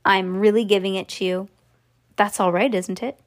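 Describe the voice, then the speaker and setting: A woman voicing an excitable, grand elderly male candy factory owner from a storybook, with an emphatic manner. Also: medium pitch, moderate pace, natural voice. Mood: earnest, confiding. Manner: emphatic, exclamatory.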